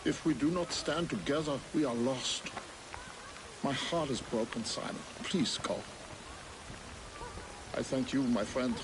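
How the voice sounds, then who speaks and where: An actor playing an earnest Victorian union leader, speaking gravely, recorded as game audio with ambient noise. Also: male voice, medium pitch, unhurried, long pauses, lightly acted.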